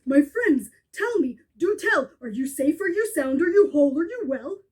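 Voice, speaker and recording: A loyal, kind-hearted male elephant from a storybook, as a woman reader puts him on, earnest and protective, speaking firmly and a touch louder than the narration. His voice stays high and bright. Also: animated, moderate pace. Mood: determined.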